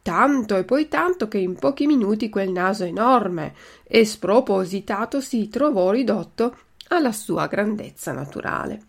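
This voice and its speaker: Woman storyteller, audiobook reading, expressive, gravelly fry, mid pitch. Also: unhurried, few pauses. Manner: expressive, addresses listeners directly. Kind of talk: audiobook reading of a fairy tale.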